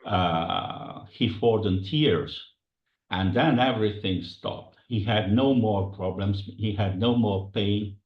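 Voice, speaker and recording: Italian-accented male doctor, hesitant, low and slow, roomy muffled recording. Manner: slow, hesitant, searching for words. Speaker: medical doctor and hypnotherapist. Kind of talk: interview answers.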